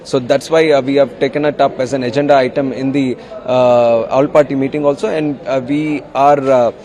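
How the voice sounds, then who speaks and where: A man's voice: mid-range voice, steady tone, normal speed, a little mellow. A man with an Indian accent making a political statement to the media as an opposition politician.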